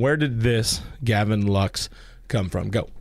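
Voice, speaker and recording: The pace is very slow. A man is the one talking. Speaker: podcast host. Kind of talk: casual chat. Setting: studio. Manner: loud.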